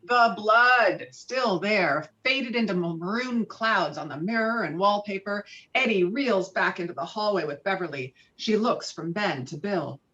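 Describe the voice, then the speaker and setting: A woman's voice: mid-range voice, lively intonation, unhurried, few pauses, bright, forceful tone. A woman narrating scripted stage directions at a virtual table read. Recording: dull lo-fi video call audio.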